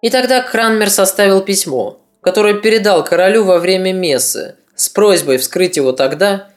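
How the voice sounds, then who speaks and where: Narrator telling history over music. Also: medium pitch. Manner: measured storytelling with ironic asides. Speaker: podcast narrator.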